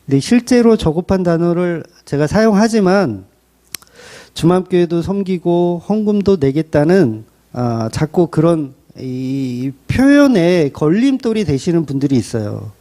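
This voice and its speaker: A man preaching a sermon as pastor, blunt and colloquial, acting out quotes in a lively way. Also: a little high, measured pace.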